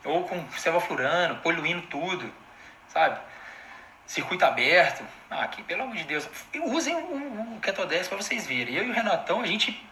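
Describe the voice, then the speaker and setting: A Brazilian man, an anesthesiologist, gives a casual live-stream lecture in an informal, animated way, full of slang and quick asides to his audience. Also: high-pitched, echoey room, slight background noise, low-quality recording.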